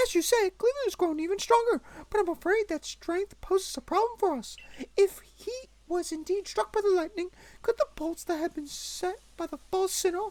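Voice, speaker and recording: The speaker uses a put-on character voice that is squeaky and extremely high in pitch. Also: moderate pace. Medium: actual play. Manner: earnest, measured.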